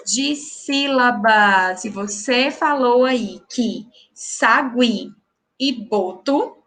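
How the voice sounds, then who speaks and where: A woman's voice: fairly high pitch, fairly bright tone. A woman teacher with a Brazilian Portuguese accent giving a recorded school lesson, patiently asking the class questions and praising their answers. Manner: slow, clear classroom delivery.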